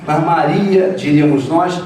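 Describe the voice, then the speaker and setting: A man giving a public spiritist lecture, retelling scenes with humor and lively storytelling. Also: on the high side, a little slow. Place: spiritist center hall. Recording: very echoey hall, distant mic, faint noise.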